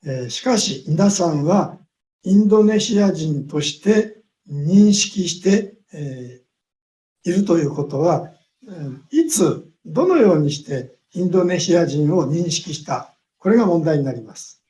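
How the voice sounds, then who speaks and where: Guy lecturing on a video call, slightly high but mellow voice, slow careful phrases, lots of long uh pauses. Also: animated. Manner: measured, pausing with long drawn-out fillers. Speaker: guest speaker. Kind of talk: lecture with consecutive interpretation.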